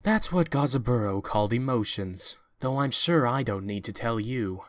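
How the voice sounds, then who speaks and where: A man's voice: medium pitch, animated, moderate pace, no room sound, natural voice. Man playing a stern young businessman, close and dry. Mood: guarded, resigned. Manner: curt, restrained. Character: stern, guarded young businessman, protective older brother. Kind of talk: audio drama acting.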